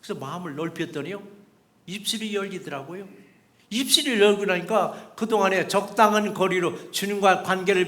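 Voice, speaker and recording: A man's voice: fairly high pitch, a bit bright. A middle-aged male pastor preaching a sermon, emphatic and repetitive, acting out short quoted voices.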